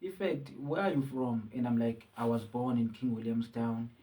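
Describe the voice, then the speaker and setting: A man with a South African accent, a musician being interviewed, talking casually with frequent pauses and restarts. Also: medium pitch, crowd noise. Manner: relaxed, halting with many restarts. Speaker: musician guest. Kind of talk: casual interview, code-switching.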